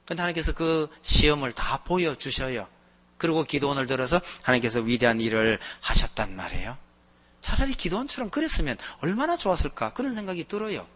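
A man's voice: on the high side, expressive, fast talker, pushed and bright. A male pastor preaching a sermon, telling anecdotes with animation and acting out the voices in them.

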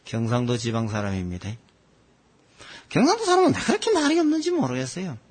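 A man preaching a sermon as pastor, asking the congregation questions and swinging between loud and soft. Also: medium pitch, wildly swooping pitch, a little fast, husky. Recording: long hall reverb.

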